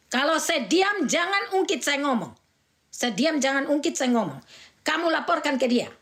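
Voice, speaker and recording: A woman's voice: high-pitched, lively intonation, a little slow, a bit bright. A middle-aged woman from Indonesia, a mother scolding and ranting angrily and repetitively on a livestream. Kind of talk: heated livestream rant.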